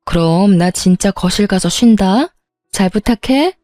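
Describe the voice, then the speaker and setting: A woman's voice: medium pitch, expressive, a little slow, dark tone, dry recording, studio quality, natural voice. A woman voicing an easygoing, cheerful older sister-in-law in a narrated story.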